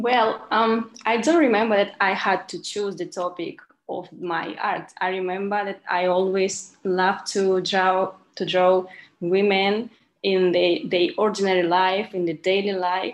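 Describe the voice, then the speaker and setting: A woman with a Russian accent at medium pitch, fairly slow in pace and fairly even in intonation. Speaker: illustrator. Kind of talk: casual interview chat. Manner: halting.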